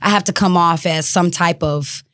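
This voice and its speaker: Casual podcast co-host: woman, African American accent, lowish voice, blunt slangy delivery, close dry sound. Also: normal speed, a bit bright, no room sound. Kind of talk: casual chat.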